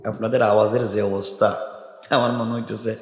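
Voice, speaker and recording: A man preaching a sermon, telling a story, at times drawn out in a sing-song call and at times talking low, and calling on the crowd to respond. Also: flat delivery. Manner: shifts between high, sung, drawn-out calls and low storytelling; addresses the crowd and asks them to respond. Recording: echoey hall.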